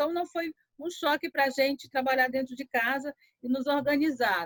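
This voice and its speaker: The sound is dry and close with no echo. A woman speaks at a moderate pace in a high pitch. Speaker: journalist. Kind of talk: interview.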